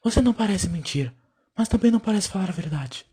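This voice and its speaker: Lady doing stern older tribal chief woman, dark raspy voice, solemn and bossy, audio drama. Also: medium pitch, lively intonation, quick pace. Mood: fearful, troubled. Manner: solemn, imperious. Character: stern older female tribal leader, devout and fearful.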